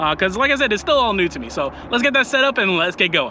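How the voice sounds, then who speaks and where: A man's high voice with very wide pitch swings at a fairly quick pace, amid noticeable background noise. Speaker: drone and car video creator. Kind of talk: casual commentary while flying. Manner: hesitant, many fillers.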